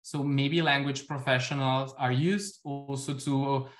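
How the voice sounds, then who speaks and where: On a laptop webcam video call from home, a young Italian conference presenter delivers an academic talk and answers a question. He speaks in a mid-range, level voice, a little slow, explaining steadily with frequent ums.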